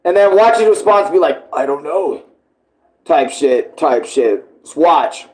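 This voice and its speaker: A man streaming a live reaction, talking casually and with plenty of slang. He swears freely and keeps an animated, informal manner as he comments. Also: on the high side, measured pace, poor audio.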